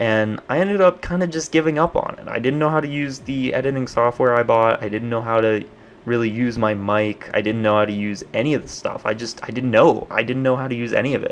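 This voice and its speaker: Speaking very fast with hardly any pauses, a man keeps to a medium pitch. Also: ordinary pitch variation. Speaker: gaming YouTuber. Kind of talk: personal vlog monologue. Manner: hesitant, filler-heavy.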